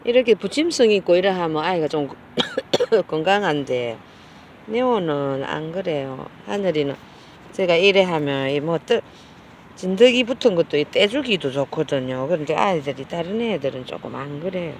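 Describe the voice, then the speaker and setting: A woman's voice: deep voice, lively intonation, slight background noise, poor audio. A middle-aged woman, talking in a casual vlog as she coaxes and feeds stray cats outdoors. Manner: coaxing, doting talk to cats, slow and soft. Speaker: cat caretaker vlogger. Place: outdoors by a street.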